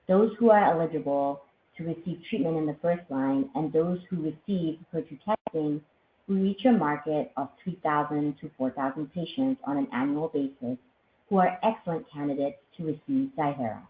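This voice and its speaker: A woman executive giving a formal, measured scripted presentation on a corporate earnings call. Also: sits low. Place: conference call line. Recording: thin phone-like line, roomy echo, faint noise.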